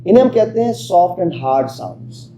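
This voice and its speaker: A man's voice: high voice, brisk, vocal fry. A man teaching pronunciation in an interactive lesson, emphatically sounding out letters and quizzing his listener with short questions. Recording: echoey room with steady background noise.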